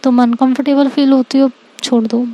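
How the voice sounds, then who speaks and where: An upset young woman fires off pleading questions, hurt and insistent, as a woman reads her out. The voice sits fairly high with little rise and fall. The tone is soft and mellow. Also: flat delivery, normal speed, natural voice.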